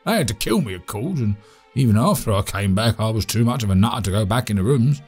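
An actor playing a chatty, cagey British servant in an audio drama, speaking in a halting, colloquial, animated way. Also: male voice, on the low side, breathy edge, faint music behind. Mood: haunted, bitter. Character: chatty, cagey servant man, obsequious yet scheming. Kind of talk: audio drama monologue and dialogue.

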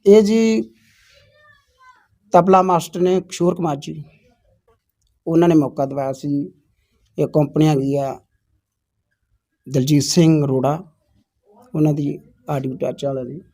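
A man, a folk singer answering interview questions in a humble, soft-spoken way and often agreeing with "haanji". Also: fairly high pitch, a little slow, pauses often. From Punjab, India.

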